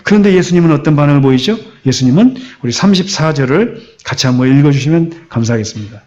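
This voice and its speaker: A man's voice: a little high, fast. A man preaching a sermon as pastor, asking rhetorical questions and acting out the story. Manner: animated, acts out the story in quoted voices, asks rhetorical questions. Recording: dull lo-fi recording.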